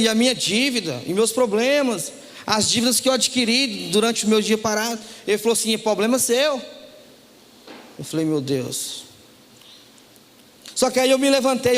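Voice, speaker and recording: A high-pitched man from Brazil gives a testimony from the pulpit, acting out the voices in his story. He keeps turning to the congregation with "dear". His voice rings out in a long church-hall reverb. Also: a bit bright. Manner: storytelling, acts out dialogue, calls listeners "querido". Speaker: church speaker giving testimony. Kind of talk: sermon testimony.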